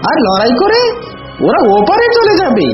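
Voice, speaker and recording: A woman's voice: high voice, sing-song, normal speed. A woman voicing a sly, scheming male fox in a children's cartoon, theatrical, wheedling and boastful. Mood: gloating, scheming. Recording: dull, echoey audio with music.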